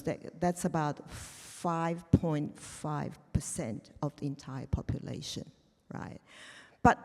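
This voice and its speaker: A woman from China speaking on a panel, halting and full of restarts and fillers. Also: low-pitched, mellow, long reverb tail. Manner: hesitant, many restarts and fillers. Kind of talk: panel discussion.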